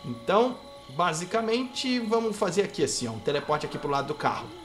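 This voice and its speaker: A man with a Brazilian Portuguese accent commenting on his gameplay, playful and trash-talking, bursting into excited shouts. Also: sits high, a little fast, music in the background. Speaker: gameplay youtuber.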